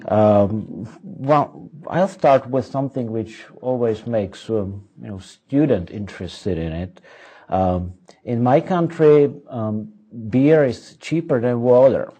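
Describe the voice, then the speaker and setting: Slow, halting man with a Czech accent. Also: medium pitch, dark tone, breathy edge. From Czech Republic. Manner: hesitant, many ums and restarts. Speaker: economics professor giving a lecture. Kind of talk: conference lecture with dry humor.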